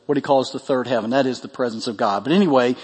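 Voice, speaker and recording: A man's voice: fast talker, husky. Man preaching in an echoing hall. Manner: earnest preaching, rising in pitch when quoting scripture. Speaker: pastor. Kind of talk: sermon.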